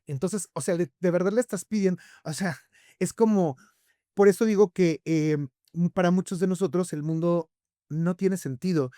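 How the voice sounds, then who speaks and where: A man with a Mexican accent, a podcast guest, telling stories in a lively conversational way, full of rhetorical questions. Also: high-pitched, no room sound, studio quality. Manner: animated storyteller, rhetorical questions, frequent tag "¿no?".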